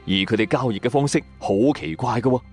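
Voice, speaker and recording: A man's voice: mid-range voice, fast talker, breathy edge. A man with a Hong Kong Cantonese accent narrating a scripted story in a dramatic, conversational and suspenseful storyteller's manner. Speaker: storytelling podcast host. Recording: music under the voice. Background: background music.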